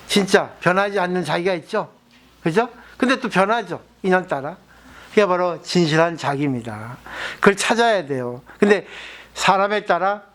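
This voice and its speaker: A man with a notably high voice gives a Buddhist dharma talk. He explains things patiently and steadily, and often turns to his listeners with rhetorical questions. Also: fairly bright tone. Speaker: Buddhist monk.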